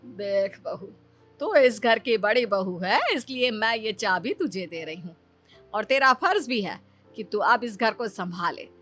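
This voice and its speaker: A woman's voice: medium pitch, animated, measured pace, fairly bright tone, faint music behind. A woman voicing a stern, scheming older mother-in-law in a Hindi cartoon, talking in a bossy, testing way.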